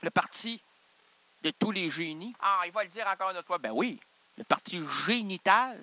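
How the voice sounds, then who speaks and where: A Québécois man with a high, sharp voice riffs through a goofy radio monologue. He wanders from one joke to the next and argues with his own asides. The tone stays bright and playful. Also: normal speed, poor audio. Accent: Québécois French. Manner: playful, rambling, answers himself in asides. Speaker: radio show host. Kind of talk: improvised comic monologue.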